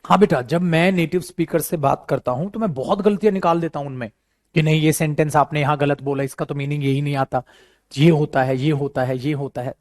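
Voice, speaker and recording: He talks fairly fast in a slightly high voice, a lively, talkative instructor in a live spoken English session who says things over and over and calls his students "beta." There's no echo, just clean studio audio.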